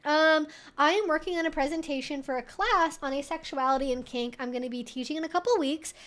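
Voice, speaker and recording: A woman hosting a casual question-and-answer livestream, talking in an animated, emphatic way with conversational asides. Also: high voice, brisk. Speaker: livestream host.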